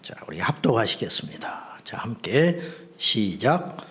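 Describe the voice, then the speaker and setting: A middle-aged male pastor preaching a sermon, reading scripture slowly and dropping into hushed, near-whispered asides. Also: mid-range voice, very animated.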